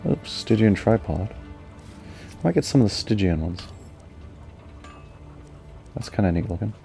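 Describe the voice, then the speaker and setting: A man with a low, gravelly voice and a dark, soft tone talks through a game in an unhurried, mellow way, thinking out loud. Faint music plays behind him. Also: animated. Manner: slow, mellow, musing. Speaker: gamer. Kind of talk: calm gaming commentary.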